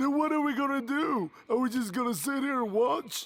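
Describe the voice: Putting on a cartoonish character voice, a man speaks at an extremely high pitch and a moderate pace.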